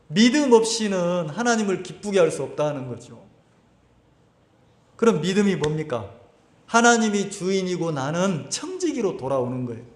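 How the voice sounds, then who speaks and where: Man, pastor, sermon, rhetorical questions, echoey church hall. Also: high voice. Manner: asks the congregation rhetorical questions and answers them; acts out quoted voices of churchgoers. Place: church hall at a summer camp.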